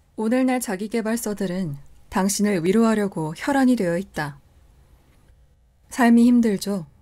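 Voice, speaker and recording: A woman's medium-pitched voice with a dark, mellow tone, ordinary pitch variation and a fairly slow pace, on a very clean recording with a silent background. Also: long, frequent pauses. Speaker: audiobook narrator. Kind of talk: audiobook essay reading. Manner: soft-spoken.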